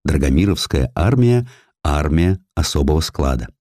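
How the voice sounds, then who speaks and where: A man reading a historical essay as an audiobook narrator, measured and declamatory, with deliberate pauses. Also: rumbling low, big pitch swings, mellow, dry recording, clean studio sound.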